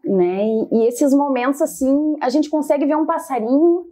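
Higher-pitched, mellow southern Brazilian woman. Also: moderate pace. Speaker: interview guest. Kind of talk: conversational personal testimony.

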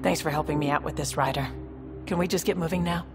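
A woman's voice: sits low, steady tone, fast talker, over music. A woman voicing a protective, weary alien mercenary sister in a video game, dry, guarded and exasperated. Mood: protective, tense. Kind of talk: dramatic video game acting.

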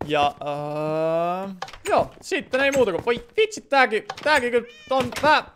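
Man, game streamer, casual play-by-play, playful, chatty, fond of filler words, high pitch. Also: expressive, a bit bright, a little hiss or hum. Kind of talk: casual livestream game commentary.

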